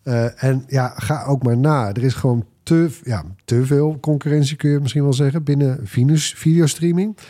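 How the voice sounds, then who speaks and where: A man's voice: mid-range voice, fairly even intonation, moderate pace, few pauses, dark tone. A man chatting casually as a podcast panelist, in a piecemeal, hesitant way with some English phrases mixed in. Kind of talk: casual opinionated chat.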